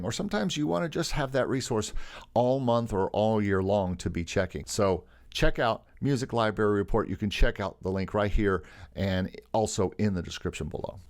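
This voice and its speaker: A middle-aged man hosting a music licensing tutorial channel, talking in an enthusiastic, salesy way. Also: fairly low pitch. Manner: enthusiastic, salesy, calls himself a carnival barker. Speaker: YouTube host teaching music licensing. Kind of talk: upbeat promotional tutorial.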